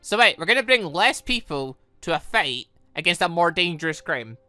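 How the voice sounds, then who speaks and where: A man giving casual, rambling and excitable commentary while playing a visual novel. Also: fairly high pitch, normal speed, smooth, no echo, soft background music. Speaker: gaming video host reading a visual novel aloud. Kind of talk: casual playthrough commentary with dialogue read aloud.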